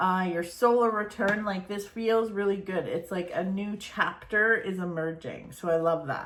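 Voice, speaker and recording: A woman talks at a fairly slow pace with lively intonation. Audible room echo is present. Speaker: tarot reader. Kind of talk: tarot reading monologue. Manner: casual, hesitant with fillers.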